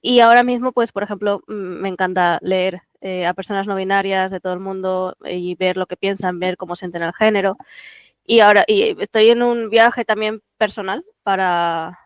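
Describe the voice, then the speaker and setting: A podcast guest whose first language is Catalan explains things in a thoughtful, unhurried way, leaning on small fillers as the thoughts come. The voice is smooth and clear, mid-pitched, recorded close and dry with no room sound. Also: female voice, steady tone, dry recording. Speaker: guest translator. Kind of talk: relaxed podcast interview.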